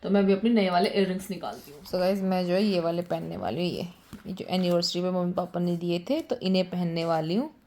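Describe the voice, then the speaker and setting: A woman's voice: on the low side, quick pace, mellow. A young woman, chatting casually to viewers in a home vlog, repeating words for emphasis. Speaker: vlogger. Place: home, indoors.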